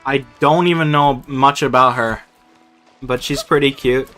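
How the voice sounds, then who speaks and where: A man's voice: mid-range voice, steady tone, unhurried, bright, forceful tone. A young man chatting casually with viewers while streaming a game, slangy, joking and sweary. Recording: game music faintly behind.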